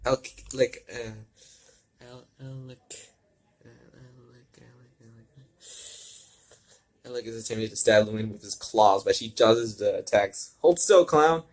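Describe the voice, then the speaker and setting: A man with a fairly low voice reads a story aloud in an informal, amateur way. He stumbles, repeats phrases and corrects himself, and he steps out of the text to comment in his own words. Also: level tone, measured pace, pauses often. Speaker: fan fiction reader.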